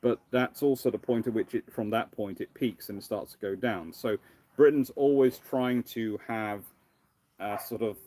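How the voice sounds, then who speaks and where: Low-voiced man, rambling off the cuff. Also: warm tone. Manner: halting, rambling, thinking aloud. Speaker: livestream host, naval historian. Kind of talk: casual live Q&A with off-the-cuff commentary.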